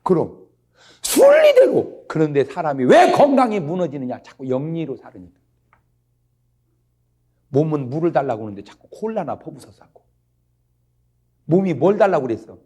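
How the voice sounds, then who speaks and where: A male pastor preaching a jokey revival sermon in a husky, slightly high voice. His pitch leaps all over as he drops to low asides and then bursts out loud. He keeps pressing the congregation with quick questions. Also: sing-song. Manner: swings between low asides and loud exclaims.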